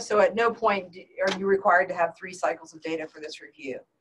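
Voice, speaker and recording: Words come from a woman at a very fast pace. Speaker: accreditation official presenting a webinar. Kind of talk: instructional webinar. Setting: webinar room.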